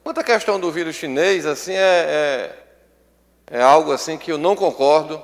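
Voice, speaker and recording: A man, a state legislator, giving a measured floor speech with hesitant pauses. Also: fairly high pitch. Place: legislative assembly chamber. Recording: long reverb of an assembly chamber.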